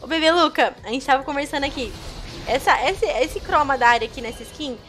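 Bright, high-pitched Brazilian woman streamer. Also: brisk, faint music behind. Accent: Brazilian Portuguese. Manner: chatty, greets viewers, excitable outbursts. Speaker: streamer playing a game. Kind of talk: casual gameplay commentary.

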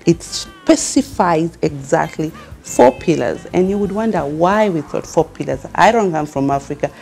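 Set in a furnished studio lounge with a fireplace, a middle-aged Kenyan founder and CEO of a women's network addresses the camera earnestly in her Kenyan accent, raising rousing questions. Her low-sitting voice is creaky and a little mellow, with lively intonation at normal speed. Soft music plays in the background.

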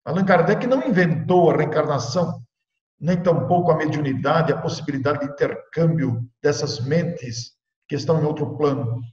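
An older man with a Brazilian Portuguese accent gives a spiritist lecture over a webcam, speaking in measured, emphatic phrases with dramatic pauses. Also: a little high. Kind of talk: devotional lecture. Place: indoor room at home. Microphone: laptop webcam, video call framing. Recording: echoey room, long reverb, dull lo-fi sound.

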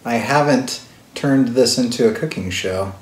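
A man in his thirties, an animator hosting his own vlog, talking in a relaxed, chatty way with fillers from his home studio. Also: medium pitch, a little slow, a little hiss or hum. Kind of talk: casual vlog talk. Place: home art studio, indoors.

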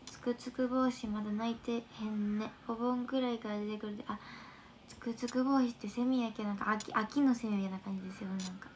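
Woman, Kansai accent, fairly high voice, soft and chatty, near-whispered livestream talk, faint background hiss. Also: fairly even intonation, fairly quick. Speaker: idol trainee livestreamer. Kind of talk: casual livestream chat reading viewer comments.

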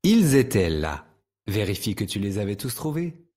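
A man with a French accent teaching young children to read, saying each sound slowly and patiently. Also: fairly low pitch, big pitch swings, darkish tone. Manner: patient, speaks words slowly and distinctly. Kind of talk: slow, clear reading lesson for young children.

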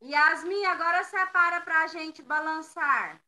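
A woman's voice: very high voice, a little slow, sharp tone, rough recording. A woman with a Brazilian Portuguese accent teaching young children in an online class, stretching out syllables and patiently prompting pupils over a video call. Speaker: primary school teacher. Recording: video call with background noise.

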